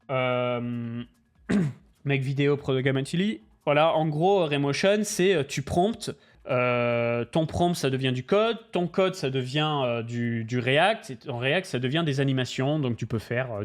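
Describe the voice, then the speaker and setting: Blunt, slangy man on a livestream. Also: mid-range voice. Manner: blunt, slangy and animated, swears often. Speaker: crypto channel host. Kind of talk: casual livestream chat.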